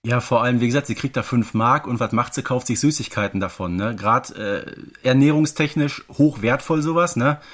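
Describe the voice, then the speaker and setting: A man's voice: medium pitch, brisk, few pauses. A man co-hosting a casual podcast, speaking colloquially and emphatically, often adding little tag questions. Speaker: podcast co-host.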